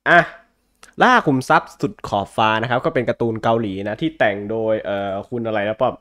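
A man's voice: medium pitch, animated, a little fast, a bit bright. A man chatting casually as a podcast host, blunt, slangy and jokey. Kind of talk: casual chat about comic books.

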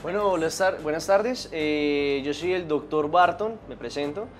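A man's voice: a little high, measured pace, soft background music. A young man playing a doctor, formal and a bit hesitant, greeting visitors in a clinic office. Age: young adult. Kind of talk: staged short drama.

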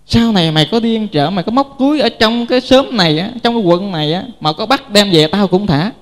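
A man's voice: high voice, expressive, quick pace. A man with a Southern Vietnamese accent voicing a stern, threatening male police officer in a sermon story, in a reverberant hall. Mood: scolding. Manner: barking orders, rough and contemptuous.

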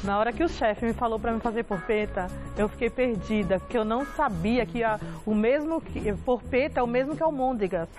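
A woman in her forties speaks with a Bahian accent, answering in short, agreeable bursts as she cooks. She talks on a TV studio kitchen set over a lapel mic. Background music plays clearly under her. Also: on the high side, a little fast, few pauses. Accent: Bahian Brazilian Portuguese. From Bahia, Brazil. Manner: brief agreeable replies, laughs easily. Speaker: cooking contestant. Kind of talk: casual chat while cooking.

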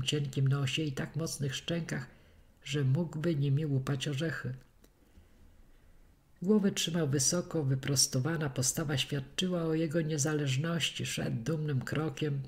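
A woman reading a classic detective story aloud in a measured narration. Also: low-pitched. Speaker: audiobook narrator. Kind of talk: scripted narration of a classic novel.

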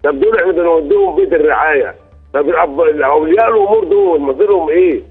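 A middle-aged man with an Egyptian accent calls in over a bad, muffled phone line. His voice is husky and fairly high for a man, and he rattles his questions off fast. Faint music plays behind. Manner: polite, plain questioning. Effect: caller on a bad, hard-to-hear phone line. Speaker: caller. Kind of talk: call-in chat.

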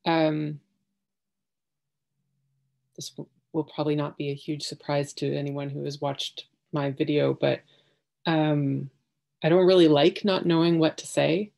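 A woman in her thirties sharing her thoughts on a video call from home, halting and searching for words, with many fillers and restarts. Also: low voice, flat delivery, gravelly, warm tone. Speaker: workshop participant. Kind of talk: hesitant reflective sharing. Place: home living room.

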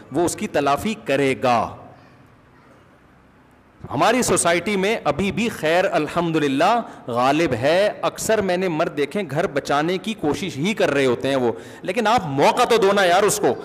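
A male religious scholar giving a conversational sermon that rises into emphatic bursts. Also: a little high. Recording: long hall reverb.

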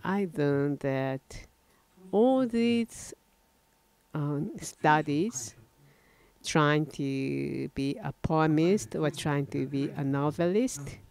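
Slow, halting older Japanese pastor. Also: male voice, fairly high pitch, creaky, clear, resonant tone. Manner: halting, frequent self-corrections and restarts. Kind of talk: sermon. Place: church platform at a wooden lectern, indoors.

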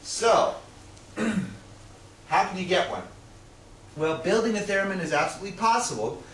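A man's voice: high voice, very animated, a little slow, a bit bright. Roomy-sounding man, playful presenter. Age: middle-aged. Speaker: science presenter. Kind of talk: presentation to camera, demonstrating. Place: small indoor room with projector screen. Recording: roomy, distant camera mic, noisy.

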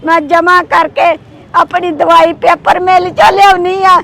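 A woman's voice: very high-pitched, flat delivery, moderate pace, creaky, fairly bright tone. An elderly widow who weeps and prays aloud, pouring out blessings and her troubles to the man helping her. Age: older. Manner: weeping, praying aloud for blessings. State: crying. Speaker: aid recipient. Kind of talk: tearful pleading and prayer. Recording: crowd and traffic noise outdoors.

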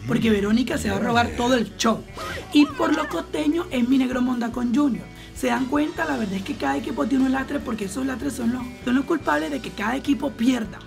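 A young Colombian woman with a Colombian accent, giving outspoken, gossipy reaction commentary and swearing freely. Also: on the high side. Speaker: reaction vlogger. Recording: clear background music. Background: music playing.

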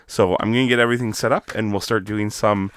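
Low-voiced man, still croaky from illness. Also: quick pace. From Canada. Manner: relaxed, chatty, many ums. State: recovering from illness, voice still rough. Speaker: craft video host. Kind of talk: casual crafting tutorial.

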